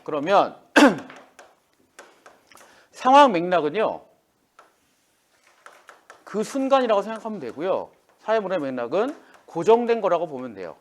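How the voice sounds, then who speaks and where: A man teaching a classroom lesson, speaking informally to students and acting out quoted lines. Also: fairly high pitch. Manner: lively, acts out quoted lines. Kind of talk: classroom lecture.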